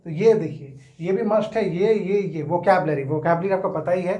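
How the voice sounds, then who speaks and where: Guy explaining english grammar in hindi, slow drawn-out words when he sounds stuff out, keeps saying theek hai na, echoey room. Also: high-pitched, mellow. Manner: explains step by step, often checks in with "theek hai na"; drawls words slowly when sounding them out. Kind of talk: casual Hindi classroom explanation. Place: room, writing on a board.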